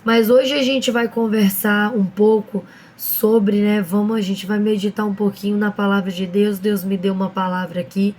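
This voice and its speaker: A hoarse woman hosting a casual devotional talk, addressing viewers directly with frequent fillers and reading Bible verses slowly and deliberately. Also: mid-range voice, little pitch movement, a little mellow, slight background noise. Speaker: online devotional host.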